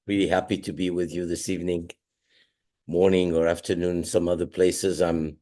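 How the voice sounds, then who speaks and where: A deep, mellow-voiced middle-aged man presents a business update as chairman. He sounds a little under the weather and pauses often on fillers and restarts. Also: little pitch movement. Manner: hesitant, many uh fillers and restarts. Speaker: company chairman.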